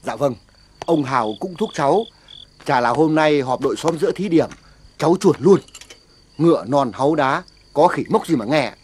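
A man's voice: a little high, lively intonation, moderate pace, a little mellow, a little hiss or hum, close to an everyday voice. An actor playing a deferential, worried young village man who speaks politely in a TV drama. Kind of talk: TV drama acting.

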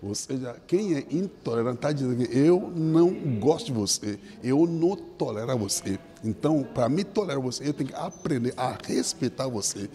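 A man's voice: medium pitch, animated, normal speed, few pauses, warm tone, faint music behind. A man earnestly explaining a point in an interview at an event, speaking into a handheld mic. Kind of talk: interview answer. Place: indoor event venue.

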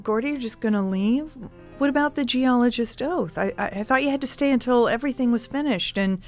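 A woman playing a sweetly awkward secret bounty hunter in an improvised radio drama, speaking politely and haltingly. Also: a little high, a little mellow, soft background music, lightly acted. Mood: probing, uneasy.

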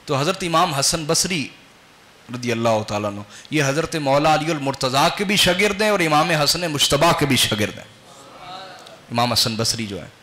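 Male preacher, bright tense tone, rhetorical questions, building emphasis. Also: fairly high pitch, animated, normal speed. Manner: quizzes the audience with rhetorical questions. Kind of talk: sermon.

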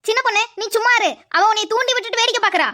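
A woman's voice: extremely high pitch, very fast, very noisy. A woman voicing a cautious, scolding village woman in a cartoon dub. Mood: scolding, wary. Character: wary, scolding village woman Shanthi, elder sister type.

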